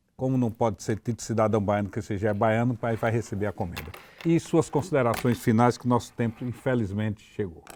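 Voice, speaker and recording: Using an ordinary speaking voice, a man talks at a fairly quick pace and medium pitch with ordinary pitch variation. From Bahia sertão, Brazil. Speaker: politician, show host. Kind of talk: interview talk show.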